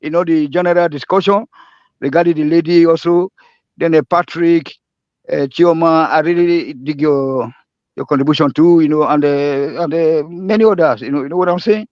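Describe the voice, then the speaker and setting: A man's voice: a little high, normal speed, no echo. A man with a Nigerian, Pidgin-inflected accent chats in a live audio room, rambling, laughing and repeating himself. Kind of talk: casual live-room chat. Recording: dull lo-fi dry stream audio.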